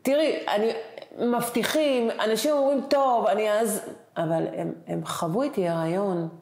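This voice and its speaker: Middle-aged woman telling her story in an echoey room. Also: mid-range voice. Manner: animated, acts out the dialogue she retells. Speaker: interview guest. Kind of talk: emotional personal storytelling. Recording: roomy echoing room.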